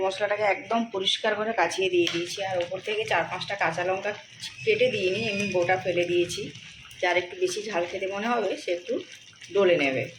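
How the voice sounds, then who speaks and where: A woman chatting casually as she cooks in her home kitchen, explaining each step and keeping her voice soft. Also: medium pitch, background noise. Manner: chatty, explains each step, talks softly while cooking. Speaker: vlogger cooking at home. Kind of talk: casual cooking vlog narration.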